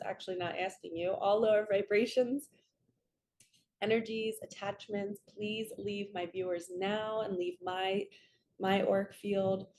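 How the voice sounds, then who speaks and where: A woman with a slightly raspy, just-woken-up voice, hosting a casual spiritual reading vlog in an earnest, chatty way that drifts into stories. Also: mid-range voice, a little mellow, a little hiss or hum. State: raspy from waking up and allergies. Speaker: host, spiritual card reader.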